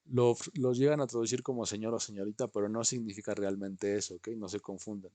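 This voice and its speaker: A man's voice: on the low side, steady tone, fairly quick, mellow, no echo. A man teaching an online class, patiently explaining and often checking in with his students. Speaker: language teacher. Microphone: video call.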